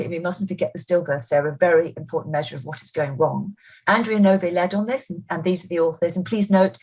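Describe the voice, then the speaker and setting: A woman's voice: on the low side, a little mellow, husky, poor audio. A woman presenting slides as a health expert, speaking emphatically and with the conviction of an advocate. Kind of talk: slide presentation to midwives and students.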